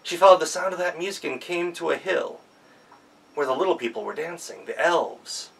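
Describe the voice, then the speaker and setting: Gravelly male storyteller, distant mic. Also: on the high side, expressive. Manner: gentle, rhythmic telling with pauses. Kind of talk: folktale storytelling.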